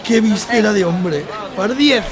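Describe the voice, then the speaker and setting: Man as an excitable high-voiced bar brawler. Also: unhurried, crowd noise. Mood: excited, indignant. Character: excitable male bar regular, brawling storyteller. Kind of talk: amateur radio soap comedy.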